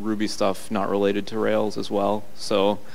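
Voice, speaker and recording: A man's fairly low voice comes through at a moderate pace. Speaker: conference panelist. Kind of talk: panel answer. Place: hall. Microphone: handheld.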